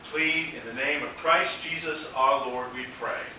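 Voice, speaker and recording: A pastor leading liturgical prayer in a measured, solemn way, his voice ringing with cathedral echo. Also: mid-range voice, fairly even intonation, pushed and bright, slight background noise. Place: large echoing church. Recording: cathedral echo, voice heard from a distance.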